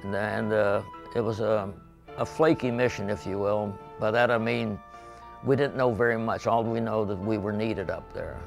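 An older man from western Pennsylvania, seated in a studio, recounting his memories in a measured, halting way with many pauses. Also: lowish voice, steady tone, vocal fry, music in the background. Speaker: veteran interviewee. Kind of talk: recorded oral history interview. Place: indoor studio with painted backdrop.

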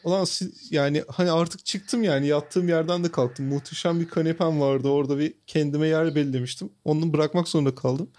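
Podcast ortak sunucusu, ince sesli bir erkek; gündelik sohbette komik anılarını anlatıyor, sık sık gülüyor. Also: male voice, a little high, fairly even intonation, fairly quick, few pauses, darkish tone. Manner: storytelling, laughs often. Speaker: podcast co-host. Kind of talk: casual chat, funny anecdote.

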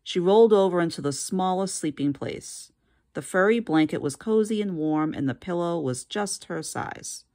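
A woman with a low voice reads a children's picture book aloud for her students. Her narration is expressive and steady, made for young listeners at home. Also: moderate pace. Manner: expressive reading. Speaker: teacher reading aloud. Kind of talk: storybook read-aloud.

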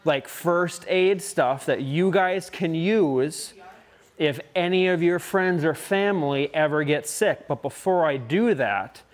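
A camp counselor gets a group of campers ready for some easy first aid lessons, joking and teasing as he goes. The voice sits at an ordinary mid-range pitch. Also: takes it slowly. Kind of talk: casual instruction to kids.

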